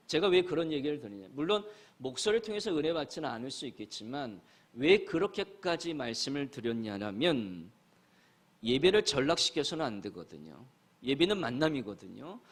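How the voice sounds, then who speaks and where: A male guest pastor delivering a sermon with a somewhat high voice. He tells anecdotes and keeps turning to address the congregation. His tone is earnest and exhorting. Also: a bit bright. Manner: earnest, storytelling preacher who addresses the congregation directly.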